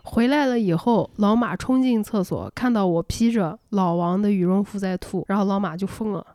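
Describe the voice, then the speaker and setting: A woman podcast host telling a personal story in casual chat, animated and laughing often. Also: medium pitch, moderate pace, no echo, clean studio sound. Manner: animated, laughs often, acts out quoted lines.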